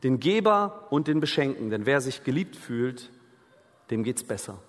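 A man's voice: mid-range voice, big pitch swings, moderate pace, long reverb tail. A man preaching a sermon in an earnest, conversational way, asking the listeners questions. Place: free church hall.

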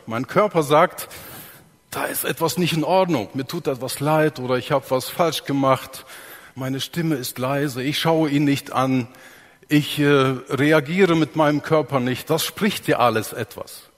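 A man's voice: mid-range voice, measured pace. A man giving a sermon to his congregation, explaining things step by step, acting out examples and putting questions to his listeners. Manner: explains step by step, acts out examples, asks the audience. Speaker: preacher. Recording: reverberant hall.

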